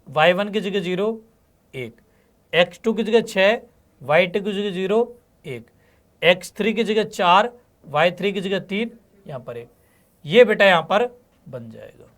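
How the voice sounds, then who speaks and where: A man with a high-pitched voice teaches a maths lesson, talking students through each step of the working. He checks in with them often and calls them in fondly. His delivery stays patient and methodical as he explains. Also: expressive, unhurried, long pauses, a bit bright. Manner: addresses students as beta and bachche, frequent check-ins.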